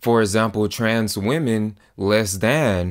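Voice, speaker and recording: A plain, everyday voice speaks at a fairly slow pace with fairly even intonation on a very clean recording with a silent background. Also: man. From US South, Alabama. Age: 20s. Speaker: political commentator. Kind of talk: personal testimony vlog.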